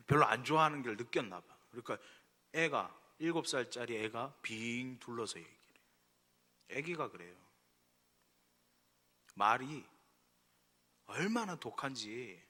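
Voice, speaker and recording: A middle-aged male pastor preaches in a church, his bright, forceful voice trailing a long hall reverb. He tells stories in a relaxed, conversational way, then builds to emphatic exhortation. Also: medium pitch. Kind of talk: sermon. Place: church sanctuary.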